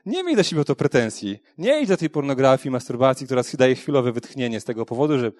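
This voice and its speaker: Man sharing a candid faith testimony, plain mid-range voice, chatty and halting, recorded dry. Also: medium pitch, big pitch swings, a little mellow, no echo. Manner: conversational, frequent tag questions and restarts; frank and earnest. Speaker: speaker giving a faith testimony. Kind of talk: personal testimony talk.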